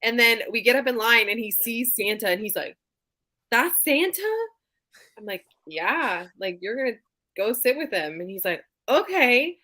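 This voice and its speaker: A woman co-hosting a casual live show, telling anecdotes in an animated way and acting out the dialogue. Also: fairly high pitch, normal speed. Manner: animated storyteller, acts out quoted dialogue. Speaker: co-host of a book readalong live show.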